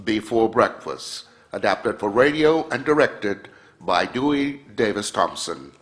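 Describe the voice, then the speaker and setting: A man's voice: on the low side, expressive, a little slow, fairly bright tone. A man announcing a radio play in a scripted introduction.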